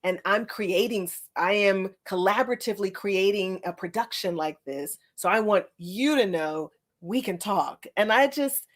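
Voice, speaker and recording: A woman's voice: medium pitch, normal speed, few pauses. A middle-aged American woman hosting a conversational interview in an affirming, encouraging manner. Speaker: podcast host and interviewer.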